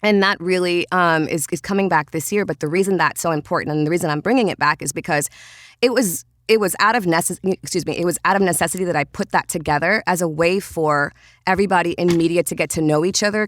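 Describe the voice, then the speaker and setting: A woman with a Trinidadian accent, chatting as a voiceover guest in an animated way, often restarting her sentences. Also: on the low side, no echo, clean studio sound. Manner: animated, quick, with frequent restarts and fillers. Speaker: voiceover artist and podcast guest. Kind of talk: casual interview talk.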